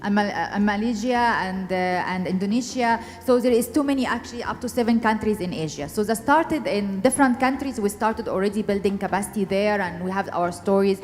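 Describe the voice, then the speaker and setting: A woman's voice: mid-range voice, fairly quick, few pauses, soft background music. A woman from Egypt answering audience questions on a conference panel, talking with many fillers and restarts. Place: large conference hall. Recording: echoey conference hall.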